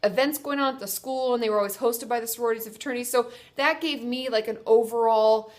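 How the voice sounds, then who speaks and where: Her voice a little high and fast, a young therapist speaks through a stuffy nose as she answers viewer questions. The advice vlog is casual and reassuring, and she often corrects herself.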